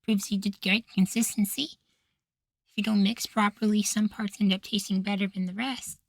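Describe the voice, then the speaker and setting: A man playing an affectionate, easily flustered young femboy househusband in an intimate ASMR roleplay, speaking in a soft, feminine, coaxing way. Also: sits high, little pitch movement, normal speed, dry recording. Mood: affectionate, praising. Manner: coaxing, gently praising, sweetly apologetic.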